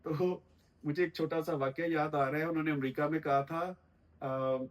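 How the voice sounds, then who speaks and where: Measured man analyzing politics. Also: a little high, steady tone, rough recording. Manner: measured, formal vocabulary, frequent "uh" pauses. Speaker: political commentator guest.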